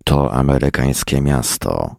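A man voicing a weary, calm man who speaks in a tired, measured way. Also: rumbling low, gravelly, dry recording, studio quality, full character voice. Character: weary calm older man, scientist type.

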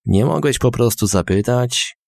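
A man's voice: mid-range voice, unhurried, gravelly, a little mellow, no echo, clean studio sound, pitched above the performer's own voice. A man voicing an aggrieved, resentful red horned male creature in a storybook reading, whiny and grumbling.

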